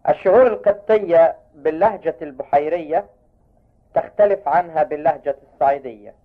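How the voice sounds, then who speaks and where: A man with an Egyptian Arabic accent teaching on a recorded audio lesson, slowly and deliberately pronouncing words and reciting lists for learners to repeat. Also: a little high. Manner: slow, deliberate pronunciation drills, reciting word lists. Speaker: language teacher. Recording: tinny, phone-like tape recording.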